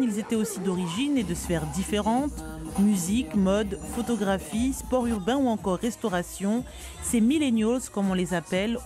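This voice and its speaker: A woman reading a scripted news report in a measured, formal voice. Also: medium pitch. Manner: measured, formal voice-over delivery.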